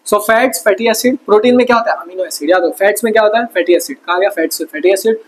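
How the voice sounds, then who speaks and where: Breathy man quizzing through a revision lesson. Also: high voice, low-quality recording. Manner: quizzes himself with quick call-and-response questions; casual, chatty teaching with mnemonic tricks. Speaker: science tutor.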